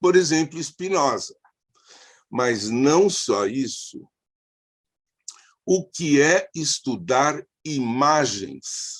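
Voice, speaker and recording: With long, frequent pauses, a man talks at a very slow pace in a fairly high pitch with lively intonation. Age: 70s. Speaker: Jungian analyst. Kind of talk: symposium talk. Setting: online live event.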